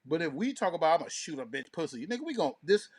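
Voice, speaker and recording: Guy w a bit higher voice co-hosting a casual talk show, lots of slang n cussing, opinionated. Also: sing-song, fast talker, a little hiss or hum. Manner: slangy, profane.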